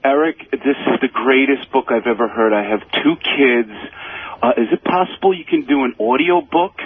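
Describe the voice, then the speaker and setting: A man calling in to a radio show with gushing enthusiasm, in a husky voice over a phone. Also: medium pitch, normal speed, no room sound. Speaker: radio caller. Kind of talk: gushing praise on a call-in. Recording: narrow tinny phone line.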